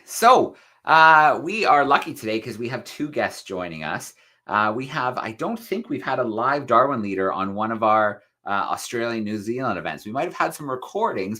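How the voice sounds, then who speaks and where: Bright-voiced male host. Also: mid-range voice. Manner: upbeat, friendly introductions. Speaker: host of live classroom events. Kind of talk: live video call interview.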